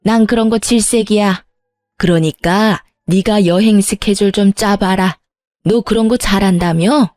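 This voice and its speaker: A woman's voice: mid-range voice, measured pace, a little mellow, no echo, close to an everyday voice. A woman voicing a pushy, scornful older mother-in-law in a storybook-style tale. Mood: demanding. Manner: demanding, scornful.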